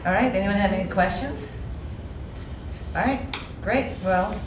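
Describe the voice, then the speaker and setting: Upbeat woman chairing a meeting. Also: mid-range voice. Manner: brisk, upbeat, chairing votes. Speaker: committee chair. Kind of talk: running a public meeting. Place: school committee meeting room. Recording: echoey room from a distance, noisy.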